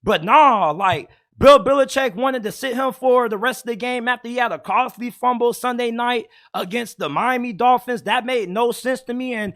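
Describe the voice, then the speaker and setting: A man with a raspy, hoarse voice giving blunt, opinionated sports talk as a host, getting heated as he goes. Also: very high voice, normal speed, hardly any pauses, a bit bright. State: hoarse from yelling.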